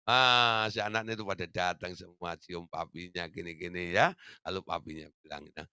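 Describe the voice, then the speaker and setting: A man's voice: low voice, normal speed, clear, resonant tone, dry recording, studio quality. A man preaching a sermon as pastor, telling a story with lots of asides to the congregation. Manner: lively storytelling with many asides.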